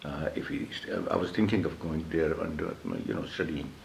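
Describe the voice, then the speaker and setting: Through audible room echo, a man with a very deep, low voice speaks at a moderate pace with ordinary pitch variation. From Punjab, Pakistan. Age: 80s+. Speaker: retired councillor and community figure. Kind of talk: oral history interview. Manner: halting, with many fillers.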